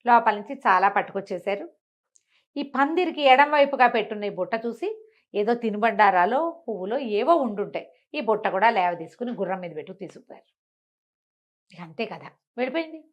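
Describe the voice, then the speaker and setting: A woman telling a story in an animated, conversational way, as an informal oral storyteller. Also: medium pitch, fairly quick. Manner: conversational, acts out characters' dialogue.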